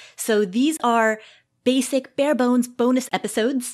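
A woman speaks over a quiet background with ordinary pitch variation. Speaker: podcast host. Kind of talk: podcast monologue. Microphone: studio mic.

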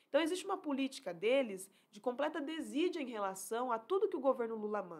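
A woman talks at a fairly quick pace in an animated tone with lively intonation. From Brazil, São Paulo state (Araraquara). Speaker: state legislator. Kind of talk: political talk show chat. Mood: critical, engaged political talk. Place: studio. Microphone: studio mic.

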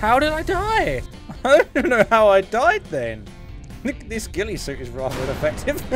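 A man's voice shows big swings in loudness, with faint music in the background. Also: moderate pace. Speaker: gaming youtuber. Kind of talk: casual vlog chat. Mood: mildly frustrated, reflective. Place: home room. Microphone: studio mic.

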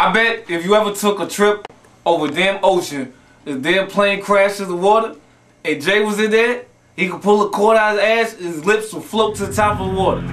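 The pace is fairly quick. Light background noise sits underneath. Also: man, high pitch for a man, ordinary pitch variation. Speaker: interviewee. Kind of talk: comedic interview answer. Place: studio.

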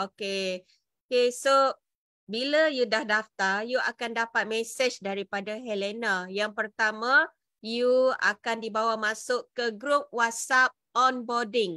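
Against a quiet background with a dry sound and no echo, a woman with a bright, sharp tone talks at a very slow pace, her intonation fairly even. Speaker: business co-founder; business coach. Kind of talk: online coaching webinar. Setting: video call. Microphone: studio mic.

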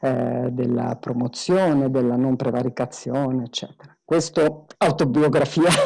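Against a quiet background, a woman with a very deep, low pitch and a dark, mellow tone speaks with ordinary pitch variation. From southern Italy, Cilento (Campania); southern Italy. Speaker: educator and activist; educator. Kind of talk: interview. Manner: halting, many repetitions. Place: home room. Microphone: earbuds.

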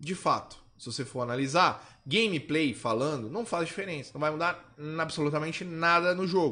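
Bright and sharp, a man's animated voice moves at a moderate pace with ordinary pitch variation. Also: fairly high pitch for a man. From Brazil. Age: 30s. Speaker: gaming YouTuber and streamer; gaming YouTuber, streamer. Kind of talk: casual opinion commentary video. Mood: opinionated, animated. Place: home room.

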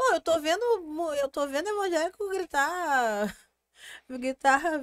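A woman's voice at a fairly slow pace, with very wide pitch swings over a quiet background. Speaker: comedian. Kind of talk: casual chat about comedy and religion, podcast interview. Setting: podcast studio. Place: studio. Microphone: studio mic.

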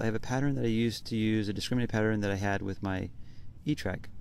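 A man has an unremarkable speaking voice with a fairly low pitch. The sound is dry with no echo, over light background noise. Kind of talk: casual vlog chat. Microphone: phone near.

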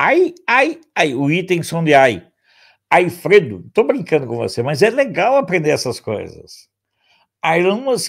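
A high-pitched man with an animated tone and very wide pitch swings, fairly slow in pace, against a quiet background. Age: 60s. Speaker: political live-stream host. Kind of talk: casual live-stream commentary. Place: home room. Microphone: webcam.

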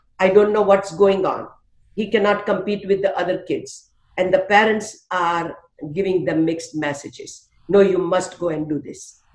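A woman speaks at a moderate pace with fairly even intonation. Audible room echo is present over a quiet background. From India. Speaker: psychiatrist. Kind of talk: panel discussion. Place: home room. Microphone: video call.

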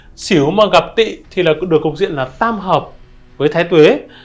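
A man's voice over faint background music. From Vietnam. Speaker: feng shui and astrology teacher. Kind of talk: scripted astrology lecture. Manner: formal, explanatory. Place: studio. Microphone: lapel.

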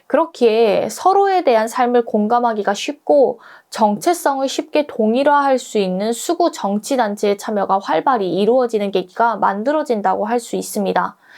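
A normal speaking voice from a woman, fairly high in pitch, with lively intonation, a moderate pace and hardly any pauses. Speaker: political commentary host. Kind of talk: scripted commentary. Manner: formal.

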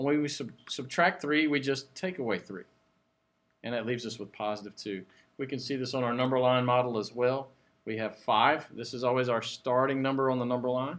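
A man with an American accent speaks in an ordinary speaking voice at a medium pitch, with ordinary pitch variation and a fairly quick pace. The recording is very clean, with a silent background. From United States. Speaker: former middle school teacher turned voice actor. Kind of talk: educational math tutorial explanation. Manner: friendly, conversational, clear.

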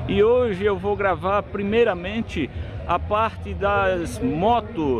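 With noticeable background noise and a dry sound with no echo, a man speaks at a high pitch with ordinary pitch variation. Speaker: local channel vlogger. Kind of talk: casual vlog chat. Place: market. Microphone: phone near.

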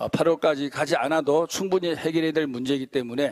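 A man talking at a fairly quick pace with ordinary pitch variation against a quiet background. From South Korea. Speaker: meeting chair and lawmaker; politician at party meeting. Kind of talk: formal political speech. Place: meeting room. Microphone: podium.

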